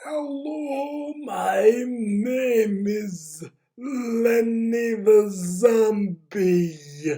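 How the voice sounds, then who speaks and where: A female-sounding voice performs a put-on character voice pitched fairly high for a woman. The delivery is very slow, with hardly any pauses. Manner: slow, drawn out.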